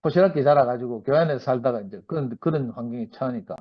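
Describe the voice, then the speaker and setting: A middle-aged man with a Gyeongsang Korean accent gives a personal testimony at a church meeting. He tells his story in an animated way and acts out the dialogue. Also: mid-range voice, fast. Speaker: church member giving testimony. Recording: dull lo-fi recording.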